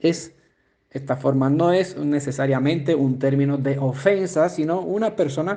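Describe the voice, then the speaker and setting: A man's fairly high-pitched voice, dark and mellow in tone, moves at a fairly slow pace with ordinary pitch variation. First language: not Spanish (speaking Spanish). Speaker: bible teacher. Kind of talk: teaching. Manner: halting, frequent 'eh' fillers.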